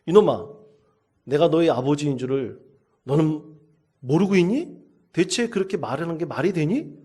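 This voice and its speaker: Man putting on an angry dad yelling at his kid, dark husky voice. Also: fairly high pitch, lively intonation, moderate pace. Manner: loud scolding. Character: angry father scolding his son.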